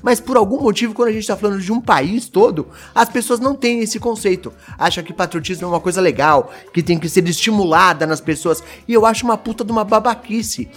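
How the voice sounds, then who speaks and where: A Brazilian man casually arguing his views in a group discussion, blunt and animated, firing off rhetorical questions. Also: high voice, fast talker, few pauses.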